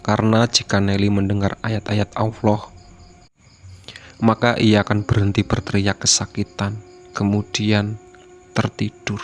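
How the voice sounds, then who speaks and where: A man narrating a horror story as a scripted reading, with a steady, even delivery. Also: on the low side, unhurried, long pauses, a little hiss or hum.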